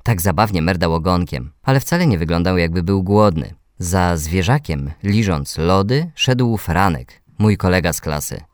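A low-voiced man reads a children's story aloud, gentle, measured and expressive for young listeners. The sound is close and dry, with no echo.

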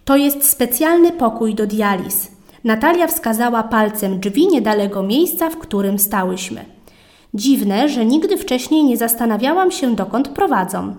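A woman narrating a children's story in a calm, expressive read-aloud tone. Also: fairly high pitch, unhurried.

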